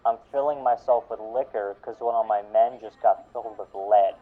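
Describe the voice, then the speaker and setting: A man playing a gruff, embittered police officer in an amateur radio drama. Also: lowish voice, moderate pace, lightly acted. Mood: irritated, bitter. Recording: thin phone-like sound, music behind.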